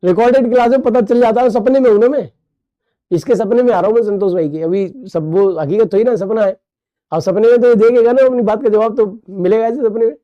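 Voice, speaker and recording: A man's voice: sits high, fast, no echo, muffled recording. A male teacher giving a recorded class, playful, repeating key terms and asking the class questions. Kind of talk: recorded online class lecture.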